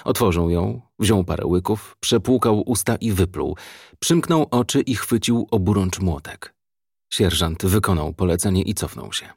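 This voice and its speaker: A man narrating a crime novel as an audiobook reader, in a measured, even storytelling manner. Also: low-pitched, creaky, husky, dry recording, clean studio sound.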